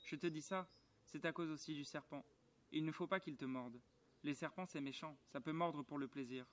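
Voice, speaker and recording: A man reading as a gentle little boy prince. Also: a little high, moderate pace, close to an everyday voice. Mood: tender, sad. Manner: soft, quiet, mostly the reader's own voice. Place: outdoors at the bottom of a garden.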